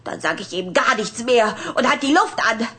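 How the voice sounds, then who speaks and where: A woman's voice: a little high, animated, moderate pace, bright, forceful tone, slightly rough, full character voice. A woman voicing an impatient, sarcastic girl with a cold who dreams of making music. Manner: sarcastic, restless. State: has a cold. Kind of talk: children's cartoon voice acting.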